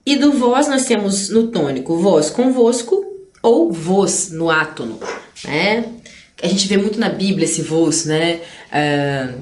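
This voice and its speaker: A woman's voice: fairly low pitch, lively intonation, takes it slowly, a little mellow, roomy sound. A woman with a Brazilian Portuguese accent teaching a recorded grammar lesson, explaining step by step and checking in with the class through frequent tag questions.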